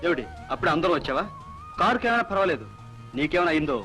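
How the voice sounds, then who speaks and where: A man's voice: fairly high pitch, sing-song, rapid-fire. An actor playing a playful young man who teases his sweetheart in a film scene. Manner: teasing, playful. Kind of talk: 1980s Telugu film dialogue. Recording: film soundtrack with loud music.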